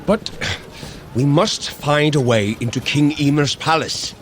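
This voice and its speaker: An actor playing an earnest, blunt male warrior god in an audio drama, measured and solemn. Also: fairly high pitch, slight background noise, natural voice. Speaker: Thor.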